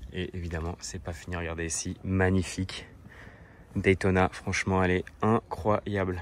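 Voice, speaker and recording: The speech is monotone and flat at a fairly slow pace, on a very clean recording with a silent background. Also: man, very deep, low pitch for a man. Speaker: car-spotting vlogger. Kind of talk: vlog walkthrough commentary. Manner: whispering; hesitant, many fillers.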